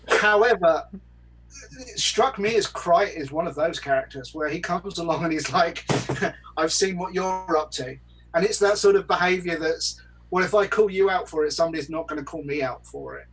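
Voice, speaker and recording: A man's voice: a little high, moderate pace, fairly bright tone, distant mic, slight background noise, rough recording. A man speaking in a casual discussion as a panelist, articulate and wry. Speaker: podcast panelist.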